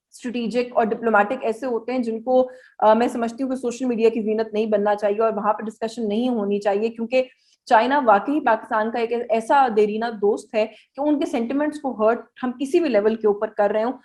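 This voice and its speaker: Woman, Pakistani accent, higher-pitched voice, news commentator, explanatory, halting delivery, English words mixed in. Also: darkish tone. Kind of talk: political news analysis to viewers.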